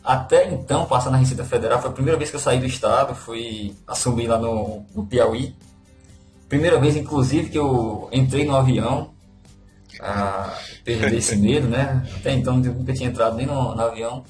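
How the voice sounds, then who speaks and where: A man with a Ceará accent, telling his own story as a podcast guest, easygoing and modest. His voice rings in an echoey room, with soft music faint underneath. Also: mid-range voice, normal speed. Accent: Northeastern Brazilian (Ceará). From Fortaleza, Brazil. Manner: relaxed, modest, with frequent "né?" tags. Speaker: interview guest. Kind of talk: casual conversational storytelling.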